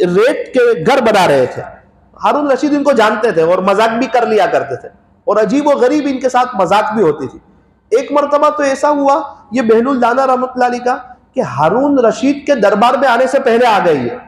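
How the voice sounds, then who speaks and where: A man giving a sermon at a religious gathering, telling a story and voicing its characters in quoted lines. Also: very high voice. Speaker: Islamic preacher. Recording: echoey room.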